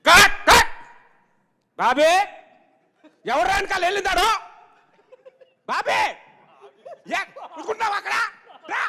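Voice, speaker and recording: A bossy, impatient film director, as a man puts him on yells orders in a strained, very high and bright voice, with every shout ringing out in a long hall reverb. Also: animated, slow pace, creaky, pauses often, full character voice. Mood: scolding. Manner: barks orders loudly.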